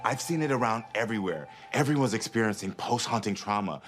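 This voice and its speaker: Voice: medium pitch, animated, fairly quick, faint music behind, natural voice. An actor playing a chatty, obliging cartoon costume designer.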